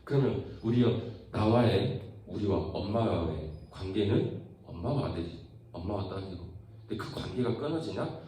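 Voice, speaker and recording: A man with a low, mellow voice gives a chatty sermon to teenagers and keeps asking the audience questions. He is caught from a distance in a very echoey church hall. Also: moderate pace, slight background noise. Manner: acts out family dialogue in lively put-on voices. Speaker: youth preacher. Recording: very echoey hall, voice heard from afar.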